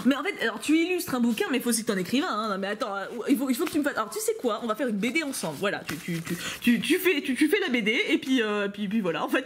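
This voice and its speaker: An excitable young woman from France chats to her viewers while opening mail, her voice sitting fairly high. She gushes, teases and trips over her own words. A faint steady hum runs underneath. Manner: gushing and excitable, stammering repeats; playful teasing asides. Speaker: YouTuber opening fan mail. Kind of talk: casual unboxing vlog, talking to viewers.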